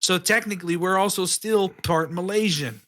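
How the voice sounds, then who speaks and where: A man's voice: high-pitched, normal speed, fairly bright tone. A man co-hosting a podcast, rambling through casual, profane chat with many false starts. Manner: rambling, profane, restarts a lot. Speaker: podcast co-host.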